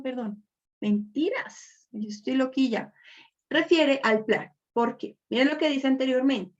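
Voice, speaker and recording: A woman teaching an online reading class, explaining step by step and checking understanding with little question tags. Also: fairly high pitch. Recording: dull lo-fi audio.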